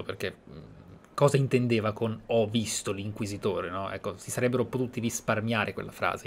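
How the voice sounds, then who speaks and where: A man giving casual, musing commentary as he plays a game, thinking aloud. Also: lowish voice. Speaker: gameplay streamer.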